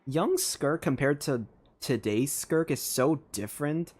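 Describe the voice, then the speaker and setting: A casual, expressive streamer reacting live to a game. The voice is medium in pitch and highly animated, rising and falling freely. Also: measured pace, breathy edge.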